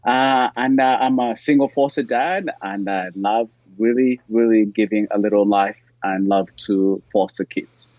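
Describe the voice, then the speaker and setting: A man's voice: on the low side, unhurried, hardly any pauses, no echo, highs cut off. Earnest man. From Uganda. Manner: earnest, warm storyteller with frequent fillers. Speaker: guest. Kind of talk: telling his life story in an interview.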